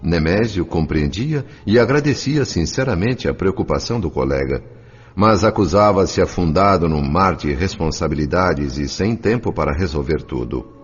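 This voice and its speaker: A grave spirit narrator with a deep, widely swinging Brazilian voice. He tells the tale formally and with measured expression, in a slightly dulled recording with music underneath. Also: highs cut off. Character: spirit narrator recounting the story, grave and literary. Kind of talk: dramatized audiobook narration.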